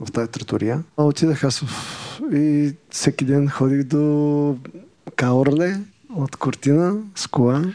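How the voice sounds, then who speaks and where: Here a man speaks with a dark, mellow tone at a fairly high pitch, with ordinary pitch variation. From Bulgaria, Varna. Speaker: pizza chef and restaurateur. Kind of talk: casual interview.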